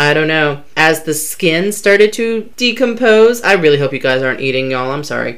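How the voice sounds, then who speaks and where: Speaking with an American accent, a woman uses a very deep, low pitch with very wide pitch swings at a moderate pace. Audible room echo surrounds her. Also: hardly any pauses. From Carolinas, US South. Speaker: podcast host. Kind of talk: casual chat.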